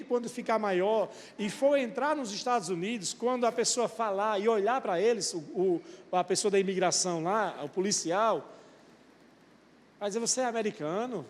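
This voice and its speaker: A male pastor preaching a sermon, putting rhetorical questions to the congregation. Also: sits high. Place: church. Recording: long church-hall reverb.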